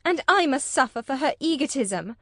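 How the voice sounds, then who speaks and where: A woman's voice: high-pitched, expressive, normal speed, no echo, studio quality, voice pushed up. A woman reading an audiobook and voicing an infatuated young girl who speaks in a pleading, petulant way. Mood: tearful. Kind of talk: audiobook character voice.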